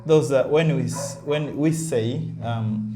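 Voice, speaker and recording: A man from Tanzania, a Catholic priest speaking, talks casually in an interview and often pauses to find his words. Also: mid-range voice, heavy background noise.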